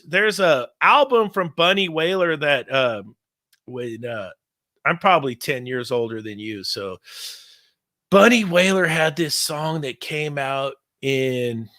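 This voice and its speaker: Excitable fifties man, bright voice. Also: medium pitch. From California. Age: 50s. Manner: excitable, rambling, laughs often. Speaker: podcast host. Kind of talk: casual chat.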